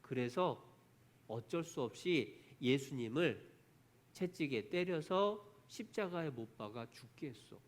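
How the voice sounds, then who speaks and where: A man's voice: expressive, unhurried. A man teaching an online Bible lesson for children. He keeps asking the kids questions and then answering them himself, telling the story with strong emphasis. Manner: emphatic storytelling with big pitch swings.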